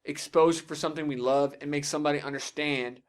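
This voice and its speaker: A young man with a slightly raised voice hosts a casual podcast discussion. He rattles along at a quick clip. His delivery is opinionated, informal and full of profanity. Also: fairly high pitch, steady tone. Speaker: podcast host.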